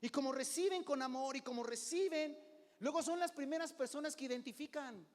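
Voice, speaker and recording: A middle-aged man preaching as a pastor, conversational, often calling "hermano", swinging between loud and hushed. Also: very high voice, brisk. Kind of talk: sermon. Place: church sanctuary. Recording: long hall reverb.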